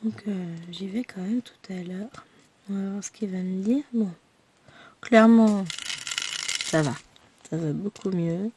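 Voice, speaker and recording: A woman vlogger with a hoarse voice from a throat infection, chatting to her viewers in a rambling, tired, self-deprecating way. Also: mid-range voice, a little slow, pauses often, mellow, dry recording. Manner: speaks tired and worn out. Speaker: crafting vlogger. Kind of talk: chatty personal update to viewers.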